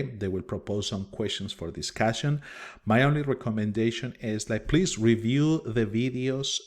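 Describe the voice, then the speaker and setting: Colombian-accented man giving a ministry lecture. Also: lowish voice. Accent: Colombian Spanish. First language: Spanish. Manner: earnest, many fillers and restarts. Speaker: minister and teacher. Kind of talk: recorded lecture to ministry students. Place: his office.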